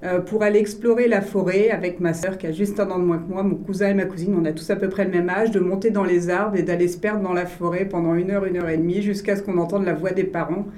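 A woman's voice: lowish voice, fairly even intonation, fast talker, few pauses, mellow. A woman with a Parisian French accent, answering conversationally as an interview guest. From Paris, France. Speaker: interview guest, health services executive.

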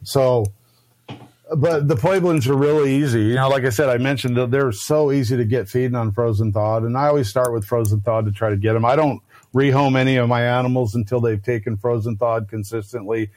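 A man chatting as a podcast guest, telling stories with quick acted-out voices for the people he describes. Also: medium pitch, dry recording. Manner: lively storyteller who acts out snakes and customers in quick voices. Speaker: guest snake breeder. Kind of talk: casual podcast chat.

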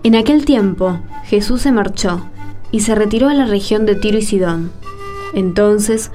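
A woman narrating a scripted radio play as a gentle storyteller. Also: mid-range voice, normal speed, faint music behind, lightly acted. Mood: calm narration. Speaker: narrator and friend character.

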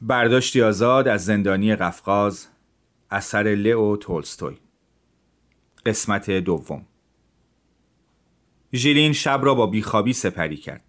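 A man reading a translated classic story aloud as a calm narrator for teenagers. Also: on the low side, long pauses.

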